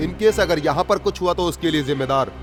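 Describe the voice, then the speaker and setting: A swaggering village tyrant, dubbed by a man, taunts and threatens with a slightly high voice and mocking laughs. Loud film score plays under him throughout. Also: a little fast, over music, close to an everyday voice. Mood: warning. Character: menacing village strongman man, arrogant and crude. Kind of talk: Hindi film dub.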